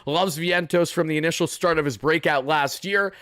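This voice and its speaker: A young man, hoarse from yelling, chatting through a baseball game recap for live viewers in a casual, boastful way. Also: a little high, normal speed, dry recording, clean studio sound. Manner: chatty, boastful fan banter. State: raspy from yelling. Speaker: sports fan channel host.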